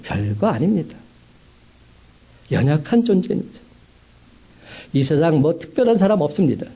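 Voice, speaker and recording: A man preaching a sermon as a pastor, with emphatic rising climaxes and slow, stressed phrases. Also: on the high side, big pitch swings, dark tone, husky.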